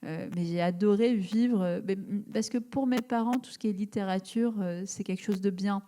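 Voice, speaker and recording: A woman from Algeria in her thirties speaks as a guest at a public talk, thinking aloud with frequent pauses and restarted phrases. Her voice sits at a middling pitch with a soft, mellow tone. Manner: thoughtful, many fillers and restarts. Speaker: writer, interview guest. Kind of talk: live public interview. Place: event hall before an audience.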